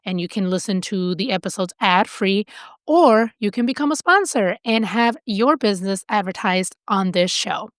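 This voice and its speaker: Woman, podcast host, upbeat, effusive, smooth voice, dry close sound. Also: mid-range voice, animated, moderate pace, dry recording. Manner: upbeat and effusive, repeats thanks. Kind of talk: podcast interview and sponsor announcement.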